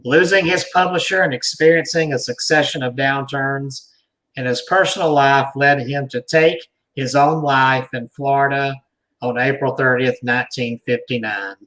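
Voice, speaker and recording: A man hosting a talk, reading an article aloud deliberately, with emphatic pauses and asides like a storyteller. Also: medium pitch, steady tone, fairly bright tone, rough recording.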